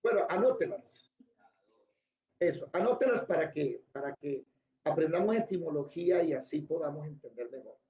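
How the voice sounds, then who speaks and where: Man Bible teacher, high mellow voice, quizzes the class, dull lo-fi sound. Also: lively intonation, moderate pace, echoey room. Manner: spells out words letter by letter and quizzes students. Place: classroom with students. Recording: dull lo-fi recording.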